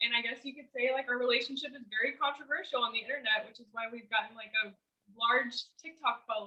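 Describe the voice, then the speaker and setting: A woman's high voice at a very fast pace, fairly even in intonation but with big swings in loudness. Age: 20s. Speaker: social media creator. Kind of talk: casual chat.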